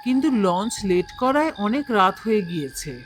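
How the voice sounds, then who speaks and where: A woman voicing a sensible, devout young schoolboy in an animated horror story. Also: medium pitch, a little fast, faint music behind, close to an everyday voice. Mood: reassuring. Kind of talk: animated horror cartoon acting.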